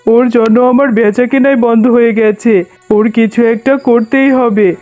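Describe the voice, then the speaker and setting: A man's voice: very high-pitched, fairly even intonation, moderate pace, a little mellow. A man voicing a resentful, scheming tiger shopkeeper and husband in a cartoon, with a grumbling, indignant manner. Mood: angry, indignant. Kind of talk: Bengali cartoon voice acting. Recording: muffled lo-fi sound, music behind. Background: music.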